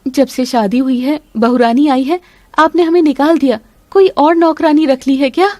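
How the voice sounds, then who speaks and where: A woman voicing a poor housemaid in an animated story, talking in a humble, pleading way. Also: high voice, normal speed, no room sound, lightly acted.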